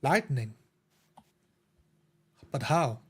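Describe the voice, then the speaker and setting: A man's voice: medium pitch, sing-song, extremely slow, slightly rough. A man speaking as a player in a tabletop roleplay game. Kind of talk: roleplay, describing character actions.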